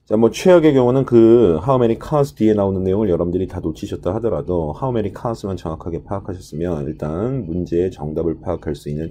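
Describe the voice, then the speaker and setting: A man's voice: low voice, dark tone, breathy edge. A man teaching a test-prep listening lesson, explaining each answer choice step by step and stretching out key words for emphasis. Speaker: TOEIC listening instructor.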